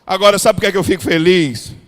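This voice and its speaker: A pastor from Ceará with a Cearense Brazilian accent, preaching a blunt, folksy sermon to other pastors. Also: male voice, sits high, quick pace. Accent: Cearense Brazilian Portuguese. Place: large hall at a pastors' retreat. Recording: long hall reverb.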